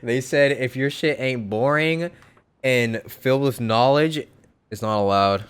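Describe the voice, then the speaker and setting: A young man reacts to a game cutscene with crude, sarcastic commentary, his voice smooth and mid-pitched. He swears freely and cheers the drama along, talking like a casual live streamer. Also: unhurried. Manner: profane, sarcastic, cheering the scene.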